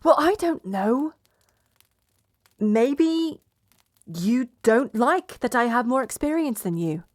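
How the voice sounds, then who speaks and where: Woman acting a proud, unhurried medieval princess. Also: a little high, lively intonation. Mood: taunting, heated. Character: proud, blunt betrothed princess in a medieval romance. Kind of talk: romance audio roleplay acting, addressed to listener.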